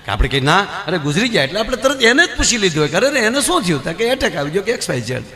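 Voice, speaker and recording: A man's voice: sits high, very animated, rapid-fire, pushed and bright, long reverb tail. A man from Gujarat, telling folk comedy stories on a live stage and acting out the voices of the people in his jokes. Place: live stage show before an audience.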